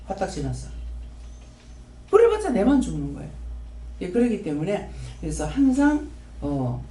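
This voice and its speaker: A woman's voice: medium pitch, mellow. A woman with a Gyeongsang accent preaching at a prayer house in a folksy manner, acting out her own prayers and God's answers. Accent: Gyeongsang Korean. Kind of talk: sermon. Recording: roomy and distant from the mic.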